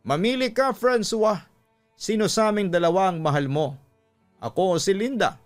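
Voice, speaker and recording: A man's voice: high voice, moderate pace, voice pushed up, natural voice. A man voicing a furious, hurt spouse confronting a cheater in a dramatized radio story, with emphatic, accusing outbursts. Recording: music under the voice.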